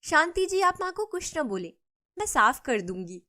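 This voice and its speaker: A woman voicing a polite, dutiful young daughter-in-law who speaks calmly and placatingly in a cartoon story. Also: high voice, normal speed, voice pushed up, exaggerated voice.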